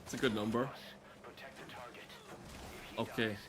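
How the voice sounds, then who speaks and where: A man's voice: fairly low pitch, steady tone, slow pace, crowd noise. A man streaming a game with casual, rambling commentary, sardonic and given to swearing.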